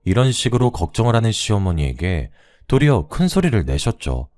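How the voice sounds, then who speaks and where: Guy narrating a radio listener story, lively pitch, first person. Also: brisk.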